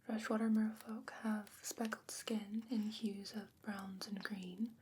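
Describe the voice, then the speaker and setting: A woman playing a patient, bookish sorceress in a fantasy ASMR roleplay, whispering breathily and explaining in a measured, gently skeptical way. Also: medium pitch, little pitch movement, a little hiss or hum, lightly acted. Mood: studious.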